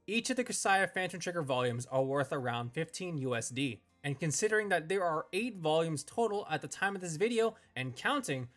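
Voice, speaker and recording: A young man hosts a scripted review in a voice that sits a little high for a male. His intonation moves up and down a great deal from phrase to phrase. Light music plays behind the narration. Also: fairly bright tone. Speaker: video reviewer and host.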